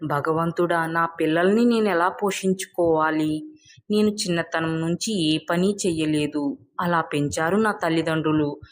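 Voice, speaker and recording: A woman's voice: deep voice, unhurried, pitched below the performer's own voice. A woman voicing a kind, generous, poor village man in a moral tale, speaking earnestly. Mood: anguished.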